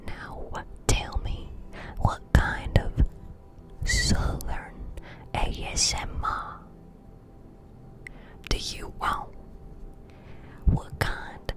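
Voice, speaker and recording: A woman's voice: very slow, pauses often. A woman from the United States whispering ASMR close to the mic in a playful, teasing way. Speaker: ASMR creator.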